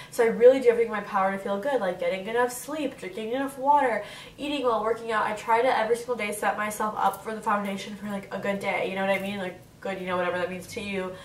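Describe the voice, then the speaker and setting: A young woman in her twenties, her nose stuffy and congested, chats casually to camera from her bed in a bedroom Q&A vlog, filling her talk with "like." Her voice is nasal and mid-range with a steady tone, and she talks fast. The rough recording is echoey and taken from a distance.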